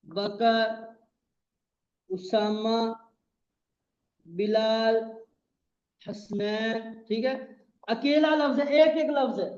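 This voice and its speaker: A man's voice: extremely high pitch, warm tone. A man with a Pakistani Urdu accent giving a classroom grammar lecture, repeating terms and spelling them out letter by letter. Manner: repetitive, spells out words letter by letter. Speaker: Arabic grammar teacher. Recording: echoey room, dull lo-fi sound.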